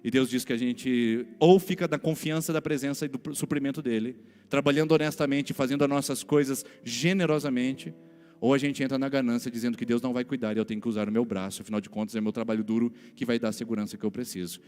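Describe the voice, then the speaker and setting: A man's voice: mid-range voice, fairly even intonation, fast talker, darkish tone, clear, resonant tone. A man with a Brazilian Portuguese accent, a pastor preaching an emphatic sermon and often addressing the congregation directly. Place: church hall. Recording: church hall reverb, faint music.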